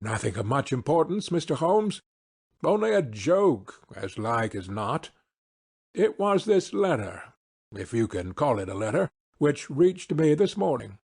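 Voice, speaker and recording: Guy doing a forthright thirty-ish baronet for an audiobook, emphatic and blunt, bit of a husky edge. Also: a little high, very animated, a little slow, a little mellow, exaggerated voice. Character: sturdy, pugnacious baronet of thirty, forthright and puzzled. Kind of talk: audiobook character reading.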